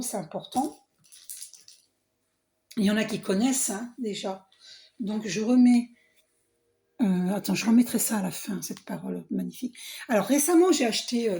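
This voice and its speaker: A hoarse middle-aged woman with a husky voice, talking casually in a spiritual vlog, often clearing her throat and trailing off. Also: medium pitch. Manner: frequent throat clearing and coughing; hesitant, restarts, soft asides. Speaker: spiritual vlogger. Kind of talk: casual spiritual vlog, reading card box aloud.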